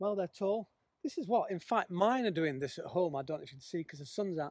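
A high-pitched man with a Yorkshire accent and lively intonation, in a dry recording without echo. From Yorkshire, England. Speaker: allotment gardening vlogger. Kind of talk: casual vlog narration to camera. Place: garden. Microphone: phone near.

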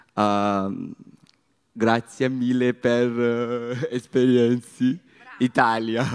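A man at medium pitch, very slow and monotone with flat intonation, long, frequent pauses, and a dry, close sound with no echo. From Georgia. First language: Georgian (speaking Italian). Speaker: European volunteer. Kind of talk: testimony. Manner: halting, many fillers.

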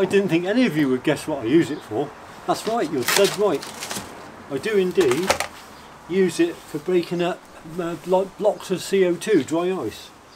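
Noticeable background noise surrounds a man speaking at a fairly slow pace. His pitch is high, with ordinary variation. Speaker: knifemaker. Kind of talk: casual tutorial. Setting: workshop, self-filmed. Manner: hesitant, many fillers.

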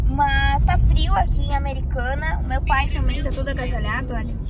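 Clear music plays behind a woman's voice. The sound is dry, with no echo. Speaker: vlogger. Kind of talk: casual vlog chat. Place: car. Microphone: phone near.

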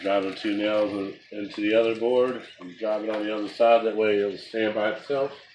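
A man talks at a fairly quick pace in a fairly low, monotone voice with flat intonation. Audible room echo and light background noise sit behind him. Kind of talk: tutorial. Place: garage. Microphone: phone near.

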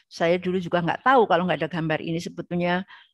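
Talking at a very fast pace, a woman uses a fairly low pitch and fairly even intonation, with a dry sound with no echo and a quiet background. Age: 70s. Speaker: retired ENT professor. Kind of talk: lecture. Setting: video call. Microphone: headset.

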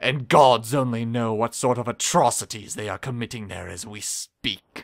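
A man performs a put-on character voice at a moderate pace and a medium pitch. The recording is very clean, with a silent background. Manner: scolding, irritated.

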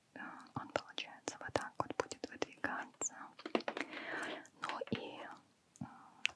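A soft-spoken woman whispering at a very slow pace, dry with no echo, over noticeable background noise. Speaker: unboxing vlogger. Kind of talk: casual unboxing commentary. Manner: close, soft ASMR whisper.

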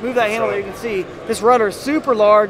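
Talking at a very fast pace, a man uses an extremely high pitch with fairly even intonation. The sound is dry with no echo, though noticeable background noise comes through. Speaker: company rep demonstrating product. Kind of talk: product demo interview. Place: hall. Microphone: handheld.

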